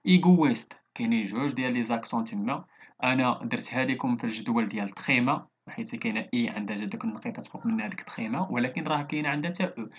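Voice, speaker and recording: A man's voice: mid-range voice, very fast, husky, highs cut off. A man with a Moroccan Arabic accent teaching a recorded online lesson, going through words one by one. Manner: steady explaining, spelling out word after word.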